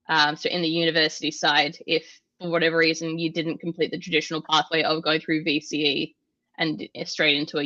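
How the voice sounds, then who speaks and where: A young Australian woman, an engineer, explaining things in a relaxed, rambling way with many "um"s during an interview. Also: deep voice, no echo. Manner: relaxed, explanatory, frequent "um" pauses. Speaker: guest, industrial automation engineer. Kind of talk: casual interview answers. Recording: dull lo-fi dry audio.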